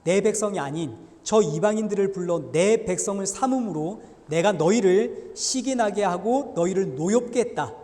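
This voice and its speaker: A male pastor delivers a sermon with a fairly high voice, his delivery animated and rising in force when he acts out quoted voices. The sound carries a long reverb, as if it fills a large church sanctuary. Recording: echoey church hall reverb.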